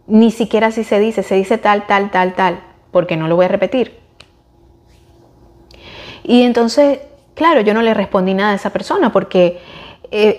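A woman's voice: mid-range voice, darkish tone. A woman hosting a podcast and YouTube channel, speaking in an earnest, long-winded, explanatory way in a reflective personal monologue. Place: lives in the United States.

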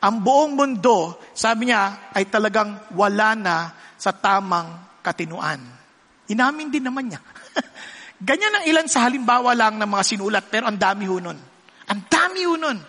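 A man's voice: sits high, sharp tone, slightly rough, big-room sound. A man preaching a sermon as pastor, mixing Tagalog and English and often checking with the congregation. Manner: switches between Tagalog and English, asks the congregation questions.

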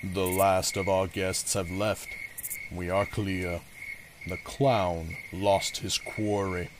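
A grim, low-voiced carnival henchman, reports in a flat, slow delivery. The audio drama has clear noise behind the words.

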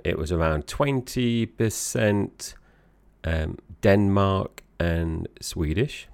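A man's voice: low-pitched, gravelly, darkish tone, no echo. A man with an Essex accent co-hosting a podcast in casual, chatty talk, often correcting himself as he goes. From Essex, England. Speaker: podcast co-host. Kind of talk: casual conversational podcast chat.

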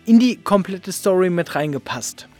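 High-voiced man hosting a casual podcast. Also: expressive, normal speed, darkish tone. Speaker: podcast host. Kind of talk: casual interview chat.

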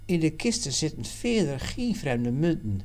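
A man reading aloud and voicing Stoefzaand, an adult man who is a skeptical, quick-tempered friend with a blunt manner. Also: fairly high pitch, very animated, a little mellow.

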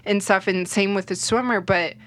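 A woman's voice: medium pitch, steady tone, normal speed. A young woman whose first language is Cantonese, chatting as a guest sports reporter in a rambling way with plenty of fillers. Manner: chatty, rambling, heavy on fillers like "you know". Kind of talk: casual interview chat.

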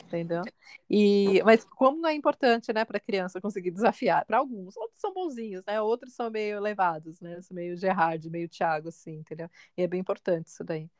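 A woman co-hosting a podcast, telling a family story in a casual, animated way and acting out the dialogue. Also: mid-range voice, a little fast, no room sound, studio quality. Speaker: podcast co-host.

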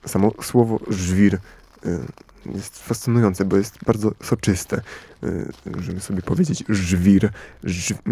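A man hosting a radio talk show, musing slowly with many hesitations and fillers. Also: fairly low pitch, gravelly, dark tone. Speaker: radio host.

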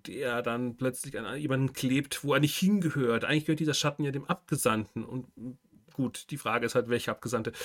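A man hosting a podcast, talking casually through his ideas and often pausing and restarting his sentences. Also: mid-range voice. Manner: thinking aloud with many fillers and restarts. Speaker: podcast host and game master. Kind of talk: casual monologue.

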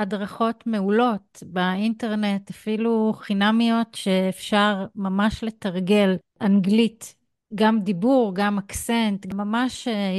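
A woman's voice: medium pitch, darkish tone, clean tone, no echo, clean studio sound. A woman with an Israeli accent hosting a conversational podcast interview. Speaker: podcast host.

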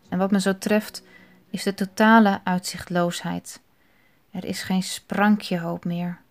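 A woman giving a quiet, thoughtful spoken reflection on a psalm. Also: mid-range voice.

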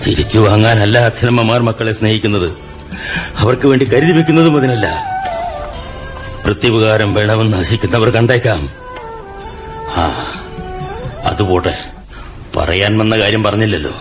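A grave, loving father in a radio drama, played by a man, his low voice steady as he lays out long, solemn sentences about a parent's love. Music plays under his lines on this broadcast play. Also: natural voice. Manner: measured, sermon-like speech about love. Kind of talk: 1990s-style radio drama acting.

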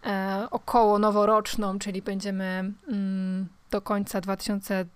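A woman's voice: medium pitch, flat delivery, a little slow, smooth. A woman co-hosting a podcast, chatting casually and directly to listeners. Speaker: podcast co-host.

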